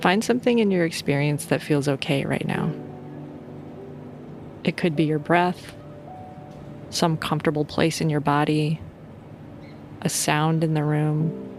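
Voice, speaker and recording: A woman's voice: sits low, fairly even intonation, unhurried, long pauses, over music. A woman leading a guided sleep meditation in an informal, playful and soothing way.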